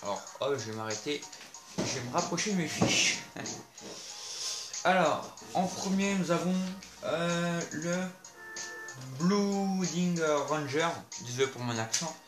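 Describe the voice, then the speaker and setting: A man's voice: a little high, expressive, a little slow. A man casually showing off vehicles in a video game, chatty, with frequent fillers and asides to viewers. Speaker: gameplay video host. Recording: roomy sound with loud game music.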